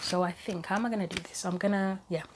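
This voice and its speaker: A woman talks through a tarot spread for her viewers in a slightly low voice. Her throat is wearing out, so a hoarse edge creeps in. She muses casually and reads guidebook passages aloud. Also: fairly even intonation, fast, noisy background. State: losing her voice, throat going. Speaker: tarot reader. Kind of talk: solo tarot reading for viewers.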